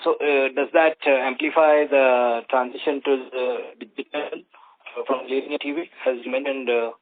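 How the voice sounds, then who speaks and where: A man's voice: medium pitch, steady tone, normal speed. Male caller on a crackly phone. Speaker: analyst caller. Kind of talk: asking questions on an earnings call. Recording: crackly, breaking-up phone line.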